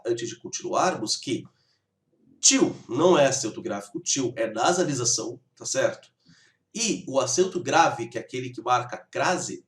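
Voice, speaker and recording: A man's voice: medium pitch, roomy sound. A man teaching a grammar lesson, explaining rules step by step and often checking in with his students. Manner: explanatory, keeps checking in with "tá bom?".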